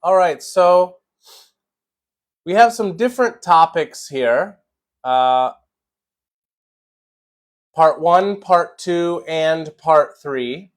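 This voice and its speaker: An American man in his thirties from Chicago hosts a laid-back English lesson live stream. He speaks at an unhurried pace in a slightly high voice, with plenty of "uh" and "you know". He greets his viewers one by one. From Chicago, USA. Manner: relaxed, greets viewers by name, many fillers. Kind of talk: casual live-stream chat.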